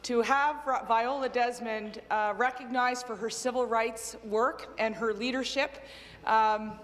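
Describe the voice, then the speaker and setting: Speaking as a legislator in a legislative chamber, this Nova Scotian woman delivers a formal, earnest address, often filling pauses when she departs from her text. Her voice is a little high with fairly even intonation and a slightly slow pace, echoing in a large hall.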